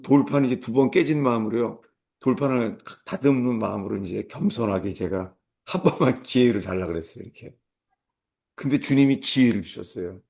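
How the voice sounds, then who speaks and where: Gravelly-voiced man preaching with comic stories. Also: medium pitch. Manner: storytelling with comic asides, acting out shouted commands. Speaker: pastor. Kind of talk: sermon.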